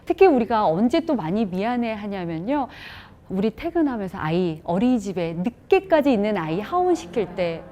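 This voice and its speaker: Animated woman giving a parenting lecture. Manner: animated, acts out quoted dialogue with big pitch jumps; asks the audience rhetorical questions. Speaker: lecturer on parenting for working mothers. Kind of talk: lively motivational lecture.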